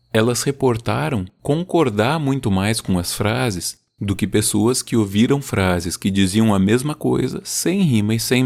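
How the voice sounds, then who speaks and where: A podcast host with a fairly low man's voice talks through the basics of meter in a loose, conversational way. When he gives an example, he slows right down to let the strong and weak syllables land. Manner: teaching, speaks examples out slowly to stress the beat. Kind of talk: casual explanatory talk about poetry.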